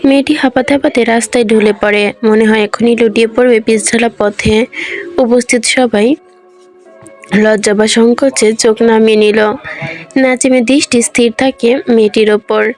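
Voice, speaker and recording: A woman reading a romantic story aloud in a measured, dramatic way. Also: fairly high pitch, fairly even intonation. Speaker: story narrator. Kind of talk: scripted audiobook narration. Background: soft background music.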